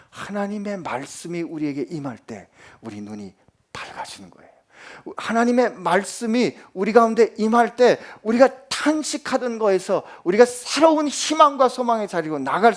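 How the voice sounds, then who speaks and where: Male pastor, sermon, lively wide pitch, loud pleas then near-whispers, rhetorical questions. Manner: swings from loud emphatic pleading to soft near-whispers; asks the congregation rhetorical questions.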